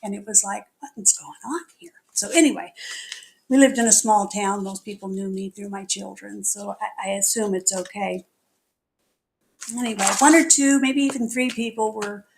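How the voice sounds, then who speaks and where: A middle-aged woman minister delivering a sermon, telling a personal story in a chatty, candid way and laughing at herself. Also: mid-range voice. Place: spiritual center meeting hall.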